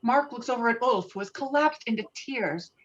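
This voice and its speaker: A woman's voice: a little high, expressive, moderate pace. Woman reading screenplay directions, muffled audio. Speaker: stage directions reader. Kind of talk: scripted narration of a screenplay table read. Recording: muffled lo-fi video call audio.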